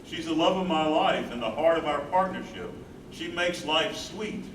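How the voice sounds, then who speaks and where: A man's voice: a little high, moderate pace, natural voice. Man acting a devoted, troubled husband, distant echoey stage. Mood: tender. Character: devoted husband and carer, loving, troubled, reflective. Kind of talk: staged reading, dramatic monologue. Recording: echoey distant stage recording, clear noise.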